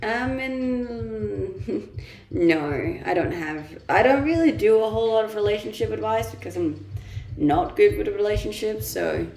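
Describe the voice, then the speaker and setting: Chatty woman streamer, gravelly, echoey room. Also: medium pitch, animated, a little slow, a little mellow, slight background noise. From Denmark. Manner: laughs often, chatty and self-amused. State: blocked nose from blowing it a lot. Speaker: livestreamer reading chat. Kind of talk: casual morning livestream chat. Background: faint music.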